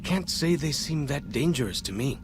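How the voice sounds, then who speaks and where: Brief: male actor as a young tribal scout, plainspoken, relaxed, game dialogue with noise bed. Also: mid-range voice, normal speed, lightly acted. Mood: earnest. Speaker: game character.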